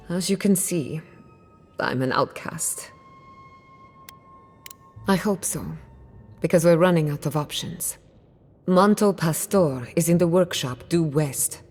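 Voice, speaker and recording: In dramatic video game dialogue, an actress voices a proud, sharp-tongued scholar who lives as an outcast. Her low voice comes across articulate, assertive and wry.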